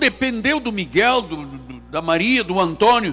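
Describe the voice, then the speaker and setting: A man speaks in a raised, projected voice at a fairly slow pace. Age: 60s. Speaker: pastor. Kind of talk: sermon. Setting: church. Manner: animated.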